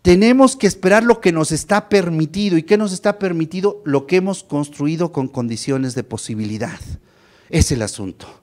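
A man with a Mexican accent giving a university lecture, animated, addressing students with rhetorical questions. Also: a little high, moderate pace. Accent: Mexican Spanish.

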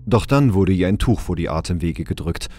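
A man's voice: low-pitched, lively intonation, fairly quick, darkish tone, soft background music. A man giving scripted narration for an audio drama.

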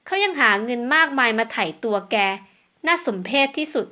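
A woman's voice: on the high side, animated, moderate pace, sharp tone. A woman voicing a cruel, jealous young woman villain who sneers and taunts. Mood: taunting.

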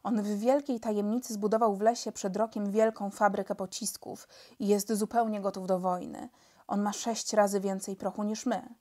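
Lady doing a polite calm spy chief, soft-spoken gentleman, mellow tone, storybook reading. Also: medium pitch, normal speed, lightly acted. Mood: explaining. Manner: mild, courteous, gentle-spoken.

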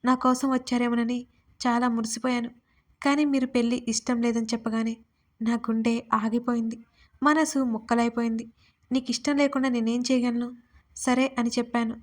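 A woman voicing a shy, tender young bride in an audio story, speaking softly and tearfully. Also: a little high, level tone, normal speed, lightly acted. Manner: soft, shy, tearful speech.

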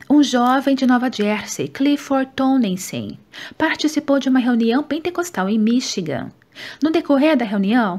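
A woman with a Brazilian Portuguese accent, reading a nonfiction book aloud in a steady, measured way. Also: a little high. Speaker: audiobook reader. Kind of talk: scripted audiobook narration.

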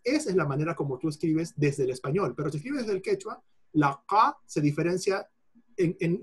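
Guy lecturing, husky voice a bit high, keeps repeating examples and restarting bits. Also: darkish tone. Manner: didactic, repeats examples, self-corrects mid-phrase. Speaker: lecturer on Quechua linguistics. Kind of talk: explanatory lecture answering a participant.

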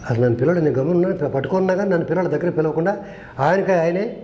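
An older man who directs films rattles off anecdotes from past productions, earnestly performing each person's dialogue. His mellow voice sits on the high side, and the sound bounces around an echoey room.

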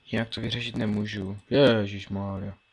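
Gravelly young man muttering over a game. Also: on the low side, steady tone, a little hiss or hum. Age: teens. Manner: mumbling, thinking aloud while playing. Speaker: gameplay commentator. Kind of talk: casual Let's Play commentary.

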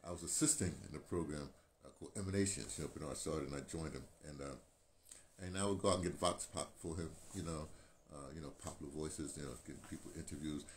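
An American man in his sixties rambling casually to his phone camera, halting and digressive, repeating phrases as he goes. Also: very deep voice. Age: 60s. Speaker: video blogger, radio veteran. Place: small painted room indoors. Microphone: phone at arm's length. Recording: clear ambient background noise.

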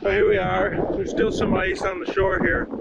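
A man's voice: high-pitched, little pitch movement, moderate pace, gravelly. A middle-aged man giving rambling, casual commentary as he walks outdoors and points things out. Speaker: vlogger. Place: outdoors on a windy beach. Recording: muffled outdoor recording with loud wind.

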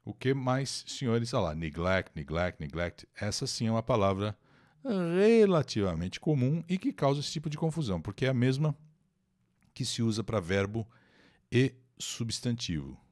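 This man, very animated at medium pitch and normal speed, runs a live English lesson for Brazilians. With a Brazilian Portuguese accent, he reads and translates an article, repeats words, and greets the chat.

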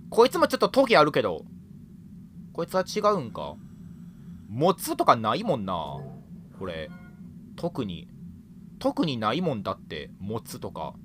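A young man with a Kansai accent gives casual game commentary. His voice sits high and bright, and it swoops up and down as he exclaims over each new find and laughs easily. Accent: Kansai Japanese. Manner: chatty, laughing, exclaiming at discoveries. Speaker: game streamer.

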